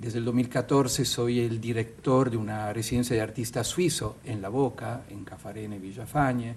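The speaker has an Italian accent and fairly even intonation. The loudness rises and falls sharply. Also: man, medium pitch for a man, moderate pace. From Switzerland, Italian-speaking region. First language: Italian (speaking Spanish). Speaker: photographer. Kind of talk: casual chat.

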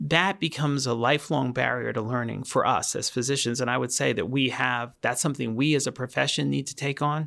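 A man's bright, sharp voice at medium pitch with an American accent, fairly quick and with ordinary pitch variation, on a very clean recording against a silent background. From Queens, New York. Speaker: physician and public health professor. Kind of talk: interview.

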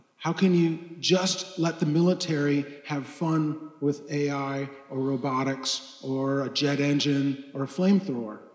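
Noticeable background noise accompanies a man whose fairly high voice moves at a very slow pace with fairly even intonation. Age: 50s. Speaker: artist working with robotics. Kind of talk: onstage conversation. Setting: stage with live audience.

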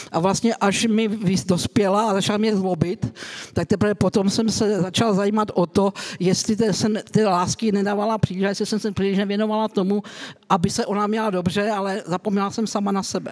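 A woman speaks fairly quickly with a Slovak accent. Her medium-pitched voice stays flat and monotone. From Slovakia, Liptovský Mikuláš. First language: Slovak (speaking Czech). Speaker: community activist. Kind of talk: panel discussion. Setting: gallery event with audience.

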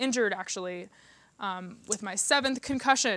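Bright and sharp in tone, a woman's voice carries vocal fry and ordinary pitch variation. She speaks at a moderate pace. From US Midwest, Iowa. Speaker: school librarian. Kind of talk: interview.

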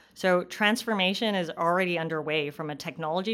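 In a very clean recording with a silent background, a woman with an unremarkable speaking voice talks at a moderate pace, her fairly low pitch showing ordinary variation. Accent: Canadian. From Canada (Alberta). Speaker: corporate sustainability director. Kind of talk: interview.

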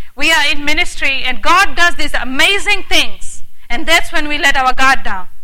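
A woman uses a raised, projected voice with lively intonation and very even loudness, with audible room echo and noticeable background noise. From Fiji, of Indian descent. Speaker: conference speaker. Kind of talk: sermon.

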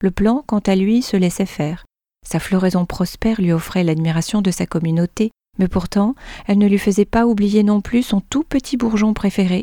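A woman's medium-pitched voice in a calm, soothing, dark and mellow tone, with ordinary pitch variation and a dry, close sound with no echo. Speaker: radio columnist. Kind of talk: bedtime story telling, a gentle spring fairy tale read aloud. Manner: soft, slow and soothing, warmly expressive storyteller; calm, lyrical, unhurried pacing with pauses.

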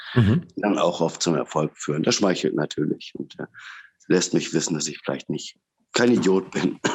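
Ordinary pitch variation in a man's very deep, low voice. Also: moderate pace. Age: 40s. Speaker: unemployed father interviewed about pandemic. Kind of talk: casual interview. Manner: halting, many filler sounds.

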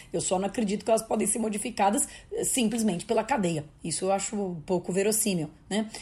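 A woman's medium-pitched, somewhat breathy voice with a dark, mellow tone and a fairly quick pace. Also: ordinary pitch variation. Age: 40s. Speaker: criminal law professor. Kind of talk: interview.

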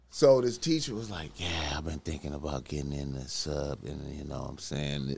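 Very deep and low, this man's voice carries his speech. He talks with hardly any pauses. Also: ordinary pitch variation, moderate pace. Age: 60s. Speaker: podcast host. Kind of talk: casual chat. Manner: animated.

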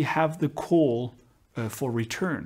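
The recording is very clean with a silent background, and the man's voice carries a slight airiness. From Denmark. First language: Danish. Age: 30s. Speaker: Bible scholar. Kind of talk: interview.

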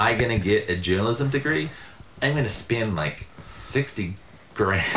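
Over noticeable background noise, a man speaks at a moderate pace with medium pitch and lively intonation. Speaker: freelance writer. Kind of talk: casual chat.

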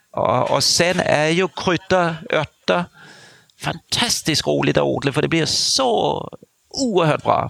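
A man's very slow speech with very even loudness and a dry, close sound with no echo. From outside Sweden. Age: 50s. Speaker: chef and restaurant owner. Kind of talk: interview. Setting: restaurant.

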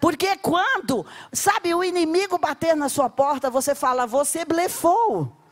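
A woman speaks at a fairly slow pace in an extremely high pitch, her tone animated and her intonation lively. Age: 50s. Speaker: pastor. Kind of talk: sermon.

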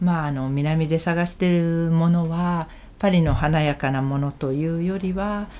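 At a moderate pace with hardly any pauses, the voice has a dark, mellow tone and fairly even intonation. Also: woman, fairly low pitch for a woman. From Tokyo, Japan. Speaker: antique shop owner. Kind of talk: interview.

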